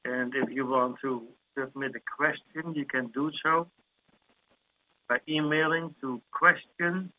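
A man's voice: mid-range voice, steady tone, a little slow, bright, forceful tone, dry recording. A man hosting a call-in radio show, his voice overmodulated and distorted by a clipping mic. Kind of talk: hosting a conference call with callers.

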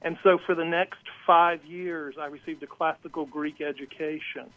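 Male radio guest, from Georgia, phone-line sound, slightly high, halting casual storytelling. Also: fairly even intonation, pushed and bright, no echo. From Georgia, United States.

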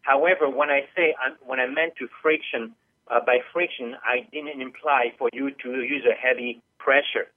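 Over a tinny phone line, a man who teaches animal massage explains things patiently during a radio call-in interview. His mid-range voice keeps a fairly even intonation at a normal speed, broken by many small hesitations and frequent "uh" fillers.

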